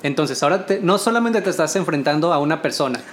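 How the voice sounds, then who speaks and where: A man's voice: fairly high pitch, expressive, fast, a little hiss or hum. A man with a northern Mexican accent, a designer, in casual podcast chat, explaining things at length with many restarts. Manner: explains at length, with frequent restarts and light laughter.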